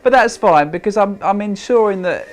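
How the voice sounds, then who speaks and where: A man's voice: sits high, expressive, normal speed, soft background music. A man of thirty-five with a British accent, chatting informally and hesitantly in an interview, with old-fashioned turns of phrase. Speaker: interviewee, history enthusiast. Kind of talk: informal interview while showing his home.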